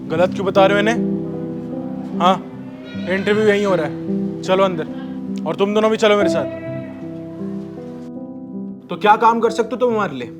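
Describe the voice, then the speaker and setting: An actor playing a blunt employer who fires off questions at a job seeker. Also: male voice, high-pitched, moderate pace, long pauses, loud music behind the voice, lightly acted. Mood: brusque. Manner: brusque, questioning. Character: brusque male employer interviewing a beggar.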